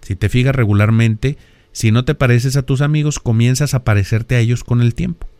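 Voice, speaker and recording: A middle-aged Mexican man with a Monterrey, northern accent hosts a podcast, lecturing through ideas with plenty of rhetorical questions and "¿verdad?". His mid-range voice is steady, smooth and a little mellow, slightly fast, and the recording is dry.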